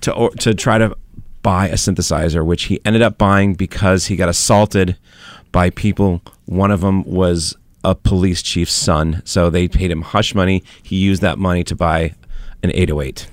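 A male radio host tells a long story in a rambling, chatty way, full of restarts and fillers. His voice is fairly low and recorded dry and close. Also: fairly even intonation, normal speed, no echo. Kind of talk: casual radio chat.

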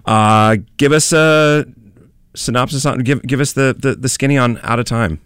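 A man's voice: medium pitch, normal speed, a bit bright, clean tone, no room sound, clean studio sound. A man hosting a radio show, telling stories in a rambling, chatty way with many restarts. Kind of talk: casual radio chat.

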